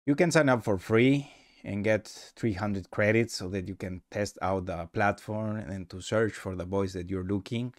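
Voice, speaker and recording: A man narrating a casual software tutorial with halting, rambling phrasing. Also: fairly low pitch, no echo, clean studio sound. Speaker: presenter of a software demo.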